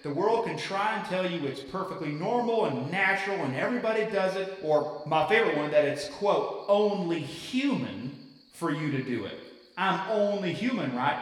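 An actor playing a zealous, folksy youth camp preacher who sermonizes in chatty, insistent rhetorical turns. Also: male voice, sits high. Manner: rhetorical, chatty asides, quoting in mock voices. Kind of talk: sermon to young people in an audio drama. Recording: echoey hall with long reverb, distant mic.

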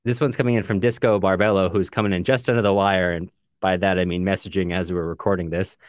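Guy with a pretty deep voice chatting on a book podcast, dry close sound. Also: fairly even intonation, quick pace, no echo. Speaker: podcast co-host. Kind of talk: casual book discussion podcast, reading listener comments.

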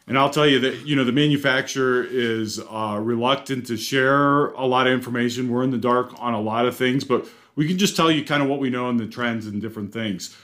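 A man's voice: mid-range voice, fairly quick, fairly bright tone. A man co-hosting a casual podcast from a car dealership, talking in a loose, rambling way with lots of restarts and self-deprecating jokes. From Ohio, US.

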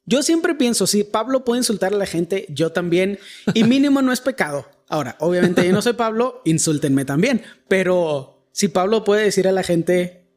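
Mexican man, high voice, easy joking co-host in a faith chat. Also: expressive, moderate pace, a little mellow. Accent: Mexican Spanish. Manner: joking, self-deprecating asides. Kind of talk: casual faith discussion.

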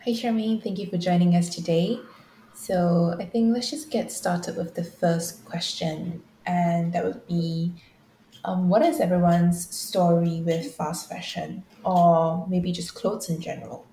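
A woman's voice: fairly low pitch, fairly even intonation, measured pace, mellow. A young woman, co-hosting a podcast and putting questions conversationally. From Malaysia. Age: young adult. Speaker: podcast co-host. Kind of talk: conversational interviewing. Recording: roomy echo, faint noise.

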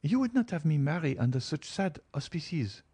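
A man reading an audiobook, voicing a gentle young granddaughter who pleads softly. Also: fairly high pitch, sing-song, normal speed, slightly rough, dry recording, voice pushed up, heavily acted. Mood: pleading.

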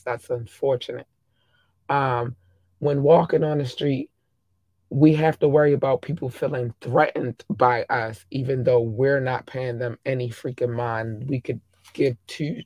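A hoarse man from the United States giving emphatic casual commentary into his own desk mic, repeating words, swearing and pushing louder on his key points. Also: medium pitch, no echo. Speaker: vlogger commenting on a news clip. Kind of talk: casual talk-to-camera commentary.

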